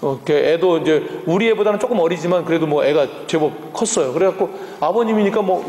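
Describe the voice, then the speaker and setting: Man in his fifties, missionary sermon, humorous storytelling, high voice, roomy church echo. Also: expressive, brisk, darkish tone. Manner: humorous, acts out voices in quotes. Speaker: missionary preacher. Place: church sanctuary. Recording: echoey church hall.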